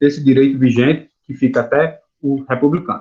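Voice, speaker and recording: The man's voice sits fairly high in pitch, with fairly even intonation. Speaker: university student. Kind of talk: class presentation.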